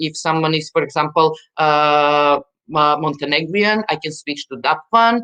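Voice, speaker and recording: In a Macedonian accent, a woman talks at a fairly slow pace with a very deep, low pitch. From North Macedonia. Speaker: psychologist. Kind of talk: interview. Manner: halting, many fillers.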